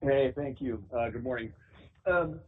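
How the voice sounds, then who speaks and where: A man asking questions as a financial analyst on an earnings call, in halting, choppy phrases. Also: medium pitch. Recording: distant, tinny phone line with noise.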